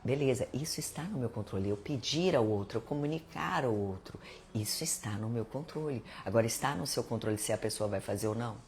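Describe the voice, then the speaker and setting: A woman's voice: a bass voice, expressive, fairly quick, a little mellow, a little hiss or hum. A Brazilian woman hosting a live stream, talking casually about self-knowledge and acting out little everyday exchanges for her viewers. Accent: Brazilian Portuguese. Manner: chatty, conversational, addresses viewers as gente, acts out little dialogues. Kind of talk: casual self-help talk.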